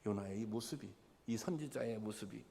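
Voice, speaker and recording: A man's voice: fairly low pitch, brisk, gravelly, warm tone. A male pastor preaching a sermon, asking the congregation rhetorical questions and sometimes voicing the figures in a plain conversational tone. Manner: acts out quoted lines in a plain conversational voice. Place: church sanctuary. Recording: long hall reverb.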